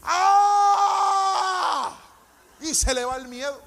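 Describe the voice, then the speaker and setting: A man's voice: sits high, animated, normal speed, a little hiss or hum. A man preaching a sermon, passionate and storytelling, often singing out his phrases.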